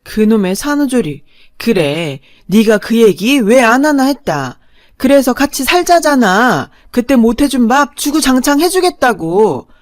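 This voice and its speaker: A woman voicing a harsh, domineering older mother who berates her daughter in a loud, shrill voice. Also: very animated, moderate pace, no room sound, studio quality. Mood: scolding.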